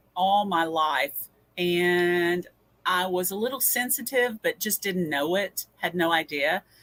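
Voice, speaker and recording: A woman speaks with a Southern US accent in a bright, sharp tone at medium pitch. Her pace is fairly slow and her intonation lively. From US South, Tennessee. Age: 50s. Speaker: paranormal researcher and author. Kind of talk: casual interview.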